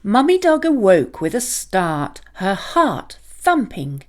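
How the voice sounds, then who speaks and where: A woman reading a scripted children's story aloud as a dramatic, expressive storyteller. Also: mid-range voice, slow pace.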